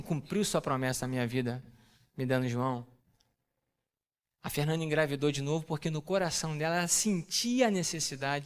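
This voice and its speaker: A man giving a sermon testimony to a church audience, telling a family story in an animated way and acting out the dialogue. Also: fairly high pitch.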